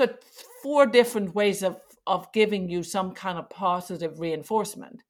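A woman talks with a non-native accent and ordinary pitch variation. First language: not English. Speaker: executive coach, former investment banker. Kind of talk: interview conversation.

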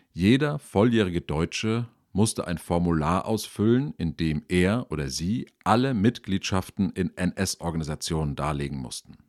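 A man speaks at a fairly slow pace with a very deep, low pitch and lively intonation. The recording is very clean with a silent background and a dry, close sound with no echo. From Lower Franconia, Germany (Rottendorf near Würzburg). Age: middle-aged. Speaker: podcaster. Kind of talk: scripted narration.

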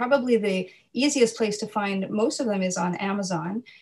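A somewhat breathy woman's voice at a medium pitch, with ordinary pitch variation and a Canadian accent. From Nova Scotia, Canada (Halifax). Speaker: children's book author. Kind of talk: interview conversation.

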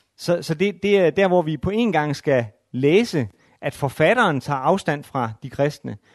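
Against a quiet background, a man talks at a fairly slow pace. His voice is fairly high, with lively intonation. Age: 40s. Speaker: lecturer on early Christianity. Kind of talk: lecture. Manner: halting, many filler sounds.

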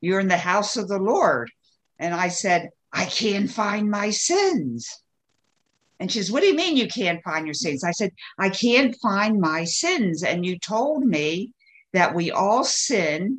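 Using very wide pitch swings, a woman with an American accent talks at a medium pitch. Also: fairly slow pace. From US East Coast, Baltimore, Maryland. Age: 70s. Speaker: coach and author on shame and guilt. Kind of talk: interview conversation.

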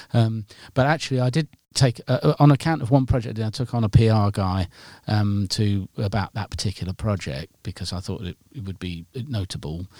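The tone is dark and mellow, with lively intonation and big swings in loudness. The recording is very clean, with a silent background and a dry, close sound with no echo. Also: man, fairly low pitch for a man, fairly quick pace. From England, Nottingham. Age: 50s. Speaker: music producer. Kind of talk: interview. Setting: podcast studio. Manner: halting.

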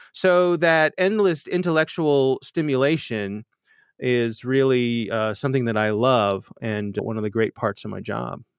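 The speaker has a normal speaking voice, with lively intonation at a fairly slow pace. The recording is very clean, silent behind, and dry and close with no echo. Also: man, medium pitch for a man. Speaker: podcast host. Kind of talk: casual interview chat. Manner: good diction, modulated delivery.

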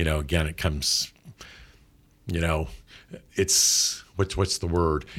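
A man speaks in a very deep, low voice with vocal fry, at a fairly slow pace with ordinary pitch variation and long, frequent pauses. The recording is very clean, with a silent background. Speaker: college finance executive. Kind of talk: interview.

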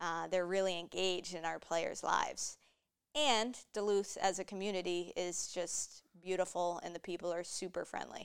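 A woman with an American accent and a normal speaking voice, medium pitch, fairly even intonation and moderate pace, on a very clean recording with a silent background. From Massachusetts (Mansfield, near Boston). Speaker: college hockey coach. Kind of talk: casual interview.

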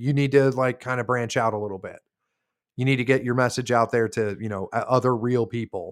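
Here a man speaks at a fairly quick pace with medium pitch and ordinary pitch variation, in a normal speaking voice. The recording is very clean, with a silent background. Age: 30s. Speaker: political podcast host. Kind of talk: solo political commentary. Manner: casual with many filler words.

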